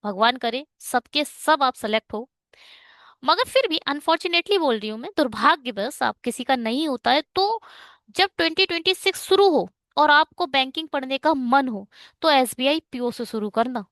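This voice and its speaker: A woman's voice: high-pitched, animated, moderate pace, fairly bright tone, no echo, clean studio sound. A woman teaching reasoning for bank exams in a chatty online lesson, mixing Hindi and English and ranting at exam setters.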